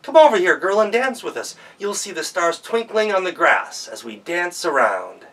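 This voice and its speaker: A man's voice: sits high, big pitch swings, normal speed, a bit bright, pitched above the performer's own voice, full character voice. A man voicing a group of playful dancing elves, cheerful and inviting.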